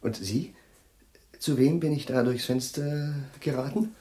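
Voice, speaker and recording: An actor playing an eccentric, absent-minded chemistry professor in a radio play, hesitant and fumbling for words. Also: male voice, mid-range voice, a little slow, dark tone, natural voice. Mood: probing.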